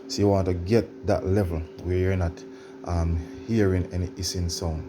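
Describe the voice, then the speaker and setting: A man presenting an informal how-to demonstration, explaining in a halting, repetitive way and addressing viewers directly. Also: low-pitched, flat delivery, over music. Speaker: tutorial presenter.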